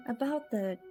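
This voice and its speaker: Game music plays behind a woman whose voice is a little high with a dark tone. She's live-streaming a game, greeting her viewers and chatting playfully and casually while she plays.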